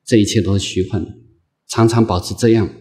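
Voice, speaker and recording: A Buddhist monk gives an unscripted dharma lecture in a low, warm voice that never turns sharp, with fairly even intonation. His delivery is slow, patient, and coaxing, repeating the same phrases gently and filling gaps with many drawn-out "ah" sounds.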